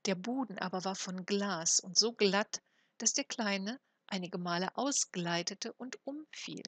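A woman reading an old fairy tale aloud for an audiobook, with expressive storytelling. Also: mid-range voice, no room sound. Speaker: audiobook reader.

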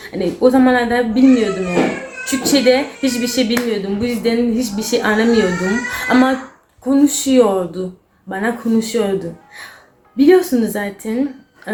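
A young adult woman from Cameroon with a Cameroonian accent, a non-native learner speaking halting, broken Turkish as she tells stories casually to camera. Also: on the high side, a little mellow, slight background noise. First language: not Turkish, a foreign learner. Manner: foreigner's broken Turkish, halting with word searches. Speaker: vlogger. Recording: roomy echo, faint music.

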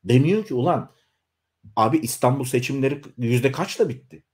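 A man in his forties delivering a heated political rant straight to his viewers, scolding and shaking with anger, his voice swinging up into shouts. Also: medium pitch, expressive, normal speed. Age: 40s. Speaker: YouTuber. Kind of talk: angry political rant to camera.

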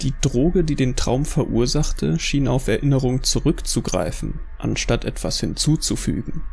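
A man narrating a dark audio drama from a script, as the storyteller. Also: medium pitch, normal speed, vocal fry, breathy edge, soft background music.

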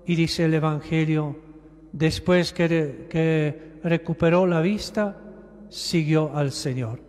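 A bishop with a notably high voice delivers an emphatic sermon, taking his time and leaning on repeated phrases. His words ring out with a long echo through a large church. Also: fairly even intonation, darkish tone. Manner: slow, emphatic preaching with repetitions.

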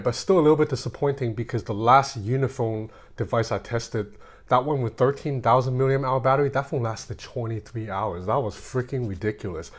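Casual man reviewing a gadget. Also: mid-range voice. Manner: conversational, informal. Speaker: tech reviewer. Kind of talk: casual hands-on phone review.

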